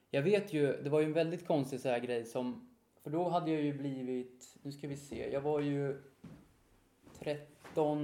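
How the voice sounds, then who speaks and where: There is audible room echo around a man with a fairly high pitch and a dark, mellow tone. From Sweden, Södermanland (Mariefred). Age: 30s. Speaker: author. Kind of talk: casual interview.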